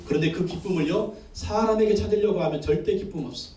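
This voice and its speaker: A man's voice: high-pitched, fast, dark tone, a little hiss or hum. A male pastor delivering an emphatic sermon, building call-and-response lists and repeated phrases. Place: church sanctuary. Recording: echoey church from a distance.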